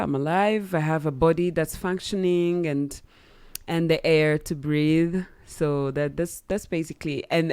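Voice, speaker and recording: A woman's voice: sits low, a little mellow, clean tone, dry recording. A young woman with a Rwandan accent, chatting reflectively as a musician guest in a radio interview, searching for her words at a close studio mic. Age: young adult. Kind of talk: radio interview, casual chat. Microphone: close studio boom mic.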